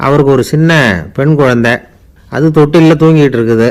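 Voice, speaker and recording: This man's voice sits fairly high. His pitch varies in an ordinary way. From Tamil Nadu, Ariyalur district. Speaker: radio host and orator. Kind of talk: anecdotal storytelling talk. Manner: colloquial, humorous.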